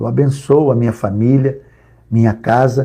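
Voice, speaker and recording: A man with a dark, mellow tone and a somewhat breathy voice speaks very slowly at a medium pitch. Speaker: preacher. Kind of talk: sermon. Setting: live stream. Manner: animated.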